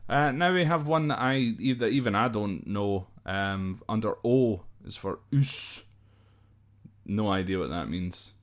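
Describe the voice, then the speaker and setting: A man's voice: on the low side, a little slow. A man with a Scottish accent casually explaining slang as a podcast host, informal and hesitant, often spelling words out. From Scotland.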